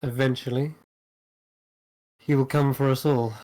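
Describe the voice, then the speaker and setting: A man improvising in character as a tabletop game player, speaking in a halting, measured, matter-of-fact way. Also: medium pitch, little pitch movement, darkish tone. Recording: music playing behind the voice.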